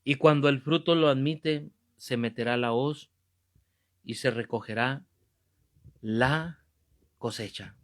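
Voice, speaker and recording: A Catholic preacher, teaching a Bible class in a fervent, emphatic way and repeating key phrases. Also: male voice, medium pitch, slow pace, long pauses. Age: 50s.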